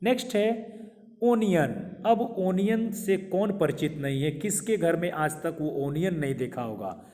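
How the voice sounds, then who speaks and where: A man's voice: on the high side, expressive, a little mellow. Man teaching pronunciation, echoing hall. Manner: repeats words slowly, asks viewers questions. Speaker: English teacher. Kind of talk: pronunciation lesson to camera. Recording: long hall reverb.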